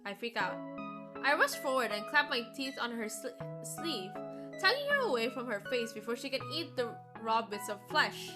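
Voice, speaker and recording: Animated higher-voiced woman streamer reading aloud. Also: normal speed, music in the background. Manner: expressive storytelling. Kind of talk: reading a visual novel aloud, dramatic narration.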